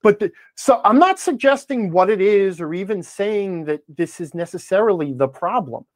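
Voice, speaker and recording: Podcast guest, male, very lively intonation, dry close sound, emphatic explainer with firm opinions. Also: high voice, normal speed, no room sound. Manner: emphatic, checks in with "okay" and "right". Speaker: podcast guest, game design commentator.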